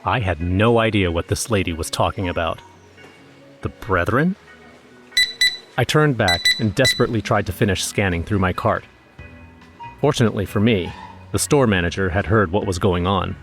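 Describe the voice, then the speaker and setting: A man's voice: deep voice, moderate pace, pauses often, faint music behind. An actor playing an anxious young man who narrates his own horror story in a scripted audio drama. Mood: uneasy, tense. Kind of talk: first-person scripted horror narration with acted dialogue.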